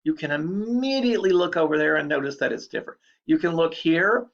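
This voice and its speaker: Male lecturer, slightly high gravelly voice, casual explainer, dull lo-fi recording. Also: lively intonation, fairly quick. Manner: chatty, explanatory, repeats key points.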